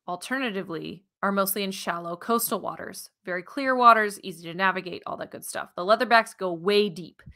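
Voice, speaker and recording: Woman, thirties, American accent, bright forceful voice, science podcast explainer, animated delivery, headset at home. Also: mid-range voice. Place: living room at home, indoors. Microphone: headset on a video call.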